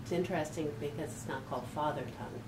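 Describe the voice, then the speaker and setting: A woman's voice: sits low, fast, reverberant, noisy background. A woman interviewing a student, asking casual questions and giving encouraging acknowledgements.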